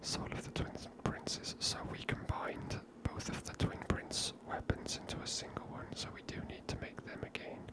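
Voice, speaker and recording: A host giving casual, hushed and unhurried ASMR commentary on a game in a whisper.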